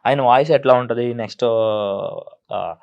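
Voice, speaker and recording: A man, a mimicry artist, answering interview questions in a soft, hesitant way with many fillers and frequent laughs. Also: medium pitch, normal speed, gravelly, muffled recording. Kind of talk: casual interview chat.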